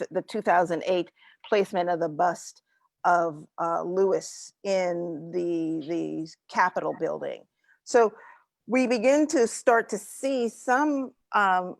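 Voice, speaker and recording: Low-voiced woman moderating, dry sound. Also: gravelly, no room sound. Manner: probing questions with many repeated words. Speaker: panel moderator. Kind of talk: panel discussion.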